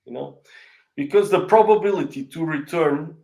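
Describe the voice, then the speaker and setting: This country head of a real estate firm, a native Portuguese speaker with a matching accent, has a somewhat high, gravelly, mellow voice. He's having a casual interview chat on a video call, halting and searching for his words, filling gaps and restarting sentences often.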